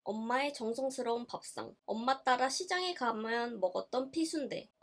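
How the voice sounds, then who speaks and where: A woman's voice: a little high, moderate pace. A young woman vlogging, reading a book aloud in casual chat and reacting expressively with gasps and laughs. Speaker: YouTuber.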